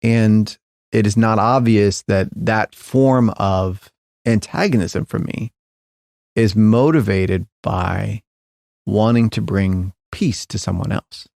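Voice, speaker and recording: A middle-aged man speaks as a guest in a conversational interview, his low voice carrying a gravelly texture. He thinks aloud, circling back, hedging and restarting his sentences. The sound is close and dry. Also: darkish tone, no room sound. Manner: thoughtful, hedging, frequent restarts and fillers. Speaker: podcast guest, tech founder.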